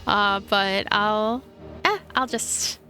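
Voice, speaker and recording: A woman's voice: medium pitch, extremely slow, bright, forceful tone. A woman narrating a visual novel as a let's play host, reading the story expressively. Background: background music.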